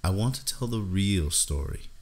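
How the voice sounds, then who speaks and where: Man as audiobook vampire, low voice, composed, courteous, commanding, soft-spoken, formal, melancholy. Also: expressive, moderate pace. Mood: calm, confiding. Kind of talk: audiobook character dialogue.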